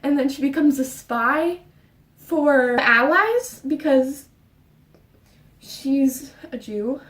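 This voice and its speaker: A young woman with a high voice chats about books in a rushed, rambling way, audibly out of breath. She sounds set back from the mic in an echoey bedroom. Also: animated, far from the mic. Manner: fast, rambling, with fillers and restarts. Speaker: book vlogger. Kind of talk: casual book chat. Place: her bedroom.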